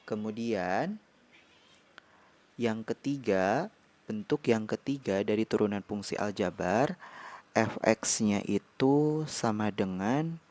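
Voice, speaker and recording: Male tutor, lowish voice, unhurried measured lesson delivery. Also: darkish tone. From Indonesia. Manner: measured, pauses between short phrases. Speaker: math tutor. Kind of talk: slow explanatory lecture.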